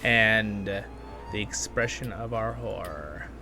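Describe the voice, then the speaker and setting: A man hosting a gaming video with casual, excitable commentary, talking half to himself and half to his viewers. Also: fairly low pitch, slow pace, music in the background. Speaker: gaming channel host. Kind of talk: casual gameplay commentary, with expressive story reading.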